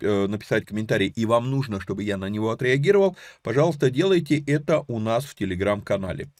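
Chatty Russian-speaking Bible teacher, dry sound. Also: male voice, lowish voice, darkish tone, no room sound. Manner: conversational, many fillers and restarts; grows emphatic while expounding scripture. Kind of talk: live-stream Bible study.

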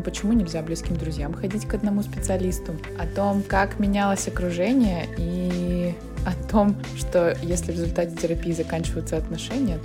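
Woman, 20s, podcast co-host, scripted intro, measured, lower voice, music behind. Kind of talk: scripted intro, then casual chat.

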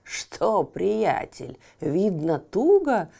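A woman voicing an angry, bearded old tsar in a storybook tale, speaking loud, gruff and slow. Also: lowish voice, big pitch swings, full character voice. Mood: angry blustering.

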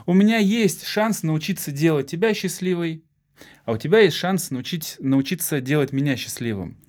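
A man co-hosting a podcast as a clinical psychologist, explaining things in a measured, casual way. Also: fairly high pitch, expressive.

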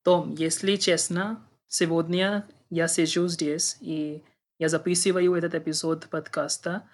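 A man's voice: on the high side, little pitch movement, a little slow. A man in his twenties from India, a native Hindi speaker with an Indian accent, speaking carefully and formally as an interview guest, a little nervous. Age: 20s. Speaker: podcast guest. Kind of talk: interview conversation in a second language.

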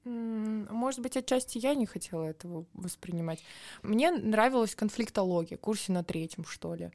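Lively woman from Siberia telling stories. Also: medium pitch, moderate pace, no echo. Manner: animated storytelling with playful impressions and laughter. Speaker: podcast co-host. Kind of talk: casual chat.

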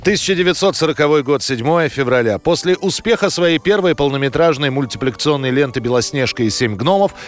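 A man's voice: a little high, lively intonation, quick pace, few pauses. A man presenting a history programme, reading scripted documentary narration. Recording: music under the voice. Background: background music.

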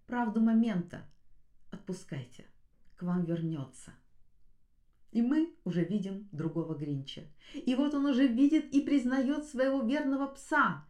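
Higher-pitched woman in an echoey room. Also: darkish tone. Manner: earnest, emphatic, addressing listeners directly. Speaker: podcast host and speaker. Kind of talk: motivational commentary on a cartoon.

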